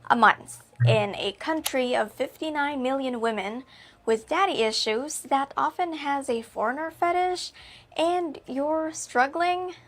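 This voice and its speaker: High-voiced woman narrating an advice video. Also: unhurried. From Philippines. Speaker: video channel host.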